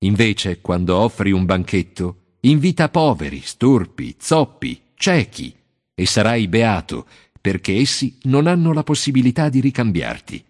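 A calm, authoritative Jesus, read by a man in a bible audiobook. The delivery is measured and solemn, with a lively melody that climbs and drops through each phrase. A long reverb trails behind every line. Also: lowish voice, heavily acted. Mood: solemn teaching. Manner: measured, solemn teaching cadence.

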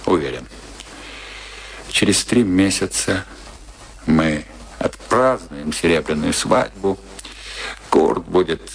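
A wry ageing husband in a radio drama about a bitter marriage. His delivery is slow and theatrical, with a gravelly creak and wide swings between teasing and brooding. There is faint noise on the old recording. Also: deep voice, exaggerated voice. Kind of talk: Russian radio play acting, dramatic dialogue.

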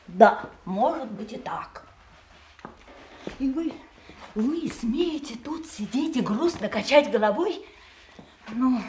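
An actress playing a bitter, mocking grown daughter in a Russian radio play, with a sarcastic, theatrical delivery. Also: female voice, on the high side, slight background noise. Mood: angry contempt.

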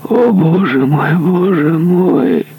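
Dying executioner, man reading it, pitched well up, desperate and pleading, in a slow creaky storybook voice. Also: very animated, dark tone, a little hiss or hum, heavily acted, low-quality recording. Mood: desperate terror. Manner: anguished, high-strained pleading. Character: dying male executioner, guilt-ridden and pleading.

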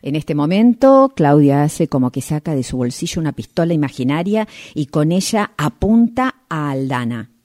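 Low-voiced woman narrating a radio play. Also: sing-song, moderate pace, hardly any pauses, dark tone.

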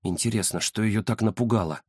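Quiet puzzled black tomcat, man doing the voice, low soft delivery, hesitant, dry sound. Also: fairly quick, breathy edge, no echo. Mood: pensive. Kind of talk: audiobook character voice.

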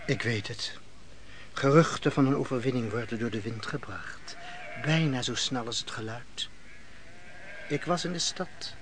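An actor playing a guarded, dignified tribesman in a radio play, speaking in a measured, careful way. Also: medium pitch, fairly bright tone, close to an everyday voice. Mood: solemn, guarded. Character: guarded, dignified tribesman and husband, quietly defiant.

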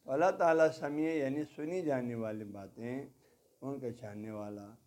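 Explaining a devotional text, this man lectures as a religious teacher, unpacking each word's meaning methodically, restating every gloss, and often adding a quick "haan ji." He speaks at a medium pitch with a slightly mellow quality.

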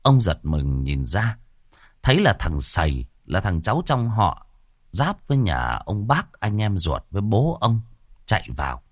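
A man narrating a ghost story in an expressive, dramatic way. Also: on the low side, unhurried, no echo, studio quality.

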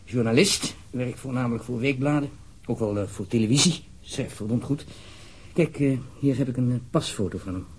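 An actor playing a pompous, self-important ministry official in a radio drama, fussy and emphatic in delivery. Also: male voice, medium pitch, slightly rough, natural voice. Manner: fussy, emphatic, halting, swearing.

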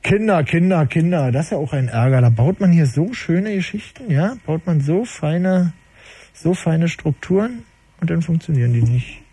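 A man hosts a late-night call-in radio show from his studio, needling his callers with dry, ironic jokes. His voice has a mellow, darker tone. It sits a little higher than most men's. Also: animated, moderate pace, slightly rough.

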